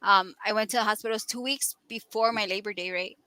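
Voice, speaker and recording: A woman's voice: medium pitch, fairly even intonation, a little fast, sharp tone, clean tone, no echo, low-quality recording. An older woman chatting as a guest on a live stream, laughing often and acting out what people said. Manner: chatty, laughs often, acts out quoted voices. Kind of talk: casual chat on a live stream.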